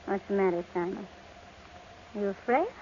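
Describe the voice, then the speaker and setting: An actress playing a high-strung, drunken jilted young woman in an old-time radio drama, taunting and melodramatic. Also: normal speed, a little mellow, lightly acted. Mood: drunken, demanding. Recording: tinny, noisy old radio recording.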